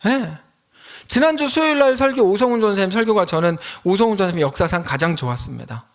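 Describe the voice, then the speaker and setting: A middle-aged male pastor delivering a sermon, acting out shouts and quotes as he preaches. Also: high-pitched, lively intonation, fast talker.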